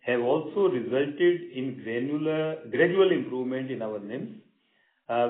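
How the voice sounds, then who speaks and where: A man with an Indian accent reads formal prepared remarks as a bank executive on an earnings conference call, in measured short phrases. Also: medium pitch. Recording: roomy, narrow phone-line sound.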